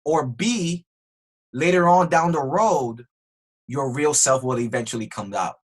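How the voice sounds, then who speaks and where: Husky man explaining with earnest restarts. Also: medium pitch, unhurried. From Spanish family background. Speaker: guest. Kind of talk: conversational podcast interview.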